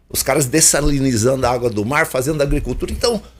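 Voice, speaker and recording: A man's medium-pitched voice with vocal fry. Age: 70s. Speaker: agronomist. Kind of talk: TV interview.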